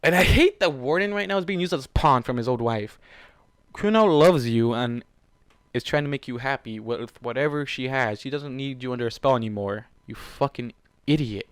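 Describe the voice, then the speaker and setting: Male fan fiction reader, mid-pitched, dry close recording, emotional and sweary, reacts in exasperated asides. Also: normal speed, clean tone, no room sound. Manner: emotional, exasperated asides, stumbles when reading. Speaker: host reading fan fiction aloud. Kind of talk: story narration broken by heated, sweary commentary.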